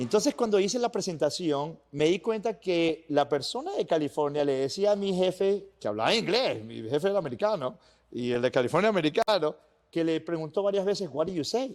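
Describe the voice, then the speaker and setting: A man's high voice with very wide pitch swings, at a fairly quick pace. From Ecuador. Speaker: car dealer. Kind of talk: interview. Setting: car dealership on location.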